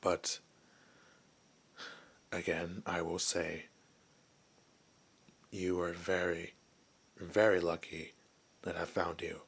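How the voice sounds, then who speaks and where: A man playing a gentle, lonely werewolf who was once human, in a soft, hesitant, confiding ASMR roleplay voice. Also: low-pitched, level tone, slow pace, creaky, pauses often, slightly rough, full character voice. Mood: reflective, warning. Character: gentle, lonely male werewolf, former human, wistful outcast.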